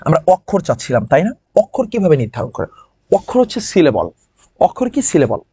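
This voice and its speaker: Male teacher, high animated voice, teasing, dry close recording. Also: fast, breathy edge, no echo. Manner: lively, teasing, addresses students by name. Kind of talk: online class lecture.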